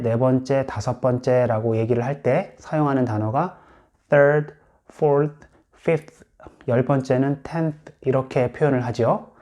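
Korean guy teaching english, slow and patient, repeats words, mellow low-key voice. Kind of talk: explanatory lesson.

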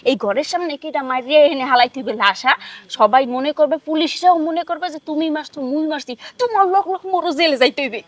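Comedy-drama casting: a woman as a high-pitched, bossy village wife, dry sound. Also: fast, no echo, natural voice. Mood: scolding. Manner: scolding, bossy. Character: scheming, sharp-tongued village wife.

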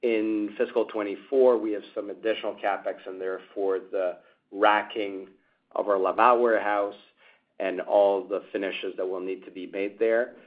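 A man speaking as a company executive, giving measured, hesitant answers on an earnings call over a tinny phone line. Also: lowish voice. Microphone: telephone conference line.

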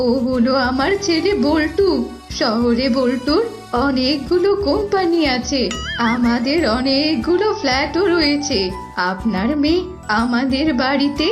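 A woman's voice: high voice, lively intonation, measured pace, over music. A woman voicing an older, sweet-talking, boastful mother-in-law fox in a cartoon, with a coaxing, sugary manner. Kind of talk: cartoon fairy-tale character dialogue.

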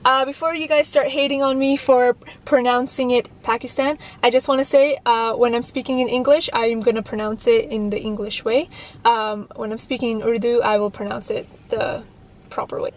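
A woman's voice: on the high side, fairly even intonation, moderate pace. A woman of twenty-one, raised in Canada, chatting casually to her viewers from a parked car while answering their questions, full of fillers and restarts. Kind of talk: casual Q&A vlog. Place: parked car, indoors of vehicle. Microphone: camera on dashboard, facing her.

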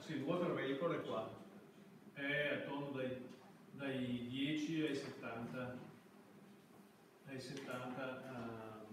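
Recorded from a camera at the back of a university classroom, the audio is echoey and distant, with background noise. A middle-aged lecturer speaks there in a mid-range voice, hesitating often and breaking off words as he lectures.

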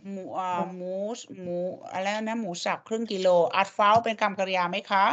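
Woman teacher going over pronunciation slowly with students, kinda dull lo-fi audio. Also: medium pitch, steady tone, a bit bright. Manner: coaxing, drills pronunciation syllable by syllable. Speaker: language teacher. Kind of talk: online language lesson.

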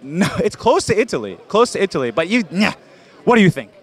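A man with a high, very lively voice interviews people casually on the street. He is playful and teasing, and slips between languages as he talks. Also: fast. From United States, Virginia. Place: outdoors in a busy urban street area.

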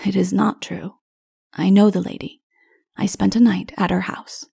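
Woman as a grave, husky-voiced king. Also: medium pitch, little pitch movement, normal speed, dark tone, full character voice. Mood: quietly firm. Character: grave, stern male king on a perilous journey.

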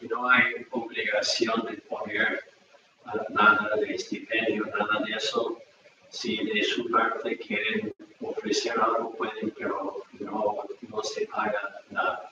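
Slow older priest, distant and echoey. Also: male voice, on the low side, monotone. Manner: slow and deliberate, with small hesitations. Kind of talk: slow recited prayer. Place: small chapel with altar, indoors. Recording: echoey, dull sound from far off, with noise.

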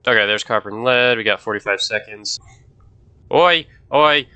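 Lowish, smooth and sharp, the voice of this young gaming video host moves at a normal pace. A cold has made him stuffy and nasal, but he still chats with viewers in casual gameplay commentary, getting sidetracked easily.

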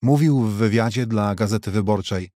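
A man narrates a history audiobook with a measured, steady delivery. His voice sits fairly low, and the close studio recording is dry, with no room sound. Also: no room sound. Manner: measured, even reading. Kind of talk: scripted nonfiction narration. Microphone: close studio mic.

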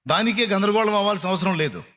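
Guy preaching at a night prayer, bit high voice, keeps asking the crowd stuff. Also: fairly bright tone. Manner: rhetorical questions, chants verses slowly. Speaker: pastor. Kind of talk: sermon. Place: church hall at an all-night prayer.

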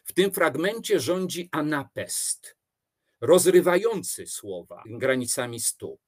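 A man giving a measured, explanatory literature lecture. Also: medium pitch. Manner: measured, explanatory, with expressive rises and falls. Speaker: teacher.

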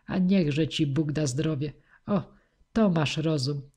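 A woman voicing a shrewd, gruff older male knight, speaking decisively in an audiobook. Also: low voice, slow pace, mellow, heavily acted. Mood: relieved.

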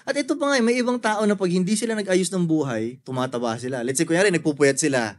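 A man's voice: sits high, fast. A young man chatting casually on a podcast, laid-back and slangy, swearing often. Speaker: podcast guest.

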